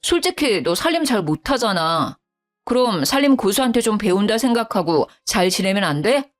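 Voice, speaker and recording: A woman's voice: medium pitch, sing-song, moderate pace, faint music behind, lightly acted. A woman voicing a defensive young husband who reproaches his wife. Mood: reproachful. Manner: irritated, reproachful.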